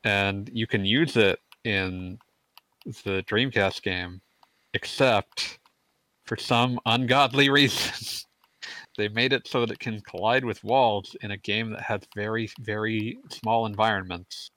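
Male podcast co-host, lowish and crisp-edged, chatty and stammering, very dry close mic. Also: steady tone, slow pace, pushed and bright, no room sound, poor audio. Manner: rambling, stammers on restarts, laughs mid-sentence. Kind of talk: casual gaming podcast chat.

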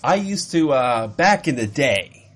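A man hosting a podcast, chatting casually and teasing his co-host in a jokey, animated way. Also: medium pitch, a little slow, breathy edge. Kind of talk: casual chat.

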